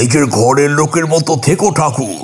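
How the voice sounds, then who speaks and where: A man puts on a character voice. He delivers it at a fairly slow pace. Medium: audio drama. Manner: testy, insistent.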